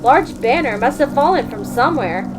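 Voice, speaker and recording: A woman voicing a curious female detective in a fairy-tale game fandub, musing aloud in a measured way. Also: high voice, lively intonation, over music. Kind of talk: hobby fandub game narration. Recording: clearly noisy home recording.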